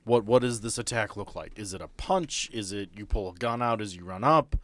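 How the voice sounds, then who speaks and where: A man's voice: on the low side, animated, fairly quick, fairly bright tone, dry recording. A man working as game master, narrating a tabletop game off the cuff and talking players through the action in a casual way.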